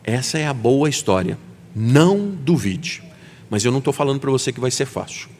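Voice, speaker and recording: A man's voice: medium pitch, fast talker, a little mellow, slight background noise. A man with a Brazilian Portuguese accent, preaching a sermon as pastor and acting out quoted voices. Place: church sanctuary. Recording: long hall reverb.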